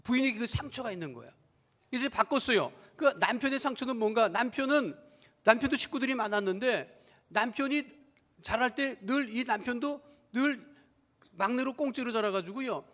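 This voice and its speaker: A man's voice: very high voice, lively intonation, normal speed, a bit bright, big-room sound. A man preaching a sermon as pastor, telling a story and acting out the voices of the people in it. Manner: storytelling, acts out quoted family members. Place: church sanctuary.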